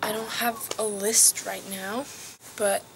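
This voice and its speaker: Teen girl, soft and hesitant, occasional whispers, casual outdoor vlog, faint background ambience. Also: medium pitch, little pitch movement, slow pace, background noise. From Norway. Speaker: vlogger.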